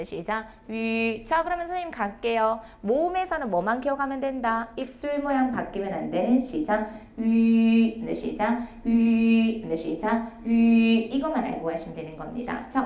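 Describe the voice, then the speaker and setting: A woman teaching an online language lesson, briskly cueing each sound and modelling it again and again for students to repeat. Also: a little high, darkish tone. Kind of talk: online lecture with call-and-response drills. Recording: echoey room.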